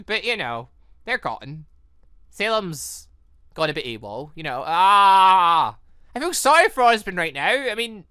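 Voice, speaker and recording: Very animated, bright-voiced gushing gamer. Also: mid-range voice, clean tone, dry recording, clean studio sound. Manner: gushing, exclaiming, rambling. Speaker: gaming channel host. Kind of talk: excited playthrough commentary of a visual novel, reading dialogue aloud. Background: music.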